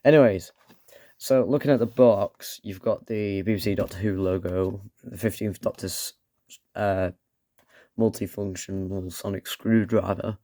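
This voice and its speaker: A man reviewing a toy with a croaky voice from a cold, rambling and dropping sarcastic asides. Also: on the low side, steady tone, measured pace, dark tone, no echo. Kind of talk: casual product review.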